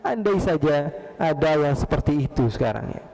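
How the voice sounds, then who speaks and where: A man's voice: on the high side, lively intonation, normal speed, creaky, mellow. A man preaching a storytelling sermon, acting out the voices in his tale and putting questions to the audience. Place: large mosque hall. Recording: long hall reverb.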